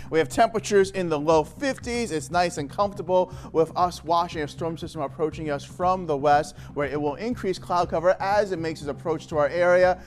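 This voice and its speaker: A man with an American accent giving a conversational weather forecast as a television meteorologist. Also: sits high.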